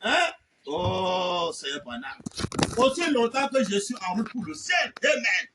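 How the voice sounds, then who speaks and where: High, lively shouting preacher man. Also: measured pace, distant mic, background noise. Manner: shouting, repeating "eh ben" and "amen". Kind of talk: fervent sermon.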